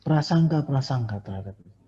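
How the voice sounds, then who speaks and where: A man's voice: medium pitch, lively intonation, a little fast, mellow. A man lecturing on staff appraisal, conversational, with many fillers and self-corrections. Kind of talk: recorded university lecture. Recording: dull lo-fi recording.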